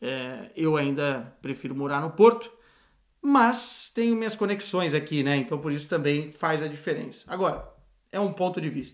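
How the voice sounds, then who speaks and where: Against a quiet background, a man speaks at a fairly slow pace in a fairly high pitch with lively intonation. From Brazil, São Paulo. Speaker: football commentator. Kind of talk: casual chat. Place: home room. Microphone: webcam.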